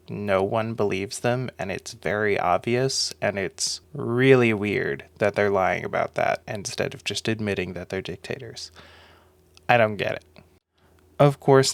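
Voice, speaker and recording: A man's voice: fairly low pitch, gravelly, clean tone, no room sound. A young man with a sore throat giving a dry, sarcastic commentary monologue, swearing now and then. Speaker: video essay host.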